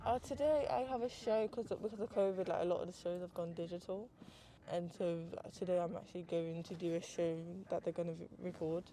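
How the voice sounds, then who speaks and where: A woman in her twenties, raised in Jamaica, chatting casually as a taxi passenger, hesitant with many fillers. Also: brisk. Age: 20s. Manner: hesitant, with frequent ums and likes. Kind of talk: casual chat. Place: back seat of a moving car. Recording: loud car noise. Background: loud road and engine rumble.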